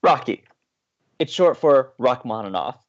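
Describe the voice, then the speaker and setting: A man's voice: medium pitch, expressive, measured pace, muffled recording. A man playing an upbeat, playful young college radio co-host with an American accent, teasing and eager, in audio drama banter. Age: young adult.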